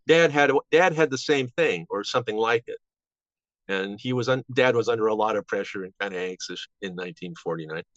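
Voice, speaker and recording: A man in his seventies reminiscing casually as an interview guest, halting and rambling with false starts. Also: on the low side, expressive, a bit bright, no echo. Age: 70s. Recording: dull, band-limited audio.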